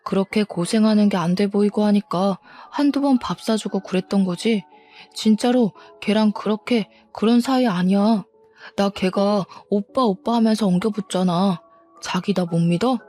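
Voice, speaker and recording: A woman voicing a quick-tempered, defensive cheating husband, talking back with contempt and bluster in a storybook drama reading. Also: mid-range voice, mellow, soft background music, natural voice. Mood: pleading.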